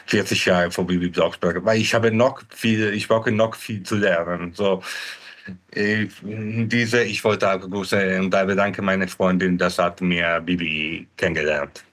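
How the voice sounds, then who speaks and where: Slow, halting man. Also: deep voice, steady tone, a bit bright. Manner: halting, searching for words in non-native speech. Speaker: podcast guest. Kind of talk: casual chat.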